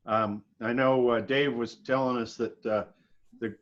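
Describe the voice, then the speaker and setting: A man with a medium-pitched voice speaks in a casual, encouraging way. He sounds like a seasoned hobbyist in conversation, recorded with slightly muffled, lo-fi audio. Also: fairly even intonation, a little slow. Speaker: experienced ham radio hobbyist. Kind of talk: casual chat.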